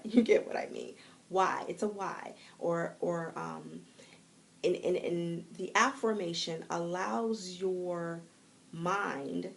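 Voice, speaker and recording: A woman's voice: fairly low pitch, vocal fry. A woman giving an encouraging motivational talk on a live phone stream, walking listeners through journaling and affirmations. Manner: encouraging, animated, laughs lightly. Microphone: phone mic.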